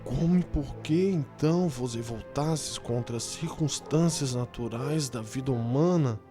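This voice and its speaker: An actor in a radio drama playing a bitter, sickly former professor, speaking in a formal, grandiloquent way. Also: male voice, medium pitch. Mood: reproachful. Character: bitter sickly male suicide, eloquent sceptical former dialectics professor. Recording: faint music under the voice.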